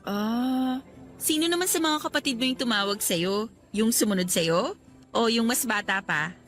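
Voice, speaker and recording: A woman playing a sweet, homesick young worker in a radio drama, gentle, polite and earnest. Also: fairly high pitch, moderate pace, soft background music, close to an everyday voice. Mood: hesitant, curious. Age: young adult. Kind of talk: Tagalog radio drama acting.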